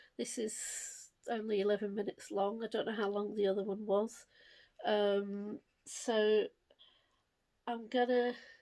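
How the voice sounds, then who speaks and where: A woman with a Scottish accent, a fairly high pitch and a dark, mellow tone, talking at a fairly slow pace in a monotone, flat intonation with long, frequent pauses. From Scotland. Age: 60s. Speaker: cross stitch vlogger. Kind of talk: casual chat. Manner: hesitant, many fillers.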